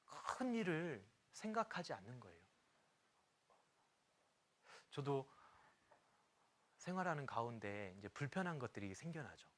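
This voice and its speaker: A man's voice: medium pitch, a bit bright. Korean male pastor preaching. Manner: reads scripture aloud, then personal anecdotes with humor; sings a hymn line briefly. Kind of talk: sermon to church teachers.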